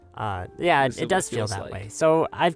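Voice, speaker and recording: A man talks at a moderate pace. Music is playing in the background. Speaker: voice actor. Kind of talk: casual podcast chat.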